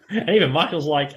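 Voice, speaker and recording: A man's voice: a little high, highs cut off. A man hosting a podcast, casually retelling scenes and often chuckling as he goes. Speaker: podcast host. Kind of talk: casual scene-by-scene recap of a TV comedy episode.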